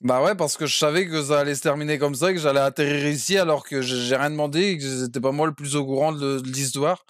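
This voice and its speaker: A man's voice: on the high side, steady tone, quick pace, hardly any pauses, no echo, clean studio sound. A man playing a defendant in a roleplay court, cheeky and crude, with "carrément" over and over. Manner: cheeky, vulgar, keeps saying "carrément".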